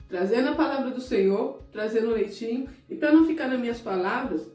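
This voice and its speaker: A middle-aged Brazilian woman preaches to her viewers in a direct, conversational way. She is emotional and close to tears at times, and her voice is mellow. The room is echoey, with soft guitar music behind her. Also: a little high, recorded from a distance. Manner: conversational, addresses listeners directly. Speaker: evangelical preacher. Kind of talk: sermon-style talk to viewers.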